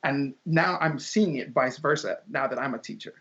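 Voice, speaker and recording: A man's voice: mid-range voice, normal speed. A young man, a guest teacher, chatting casually in an interview and acting out quoted voices with laughs as he tells stories. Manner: animated storyteller, acts out quoted voices with laughs. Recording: dull lo-fi audio.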